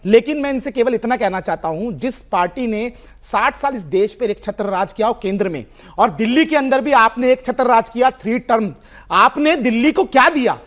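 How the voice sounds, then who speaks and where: A man's voice: very high voice, animated, fairly quick, a bit bright. A man speaking as a political panelist in a heated TV debate, answering with firm, pointed rebuttals.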